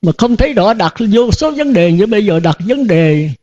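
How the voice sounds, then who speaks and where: A man's voice: high-pitched, expressive, normal speed, darkish tone. An older man, a Buddhist monk, giving a dharma talk to his disciples in a folksy way, full of rhetorical questions. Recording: dull lo-fi recording.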